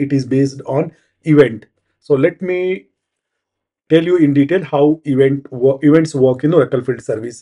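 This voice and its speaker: The man's tone is dark and mellow. Nothing else can be heard behind him. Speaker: software integration instructor. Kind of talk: tutorial.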